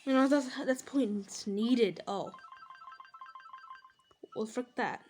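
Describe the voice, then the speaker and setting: A woman talking casually over her gameplay as a gaming channel host, chatty and rambling, quick to laugh and exclaim. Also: on the high side, darkish tone, soft background music.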